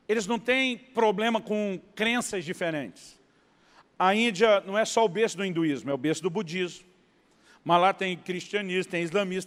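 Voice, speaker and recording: A Brazilian male pastor preaching with a fairly high voice. He tells his story with animated, acted-out dialogue. The sound carries a long reverb, as in a large hall. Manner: animated storyteller, acting out dialogue, laughing at punchlines. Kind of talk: sermon storytelling.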